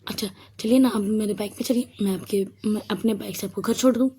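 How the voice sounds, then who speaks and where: A woman's voice: medium pitch, fairly even intonation, fast, dark tone, slight background noise, lightly acted. A woman voicing a pushy, talkative young female student with a teasing, clingy manner. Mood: playful, pleading.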